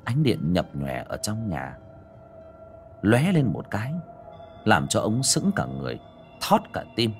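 A man's voice: lowish voice, huge pitch swings, a little slow, long pauses, soft background music. A man narrating a ghost story with dramatic, swooping delivery.

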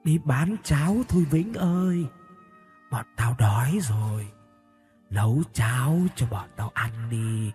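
A man's voice: medium pitch, expressive, a little mellow, big-room sound, soft background music. A man voicing eerie, hollow hungry ghosts. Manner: hollow, drawn-out calling.

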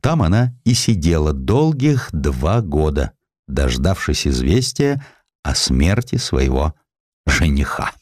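A man reading a historical audiobook in an expressive, theatrical storytelling manner. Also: very deep voice, takes it slowly, dry recording, clean studio sound. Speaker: audiobook narrator. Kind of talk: dramatic scripted narration of a historical essay.

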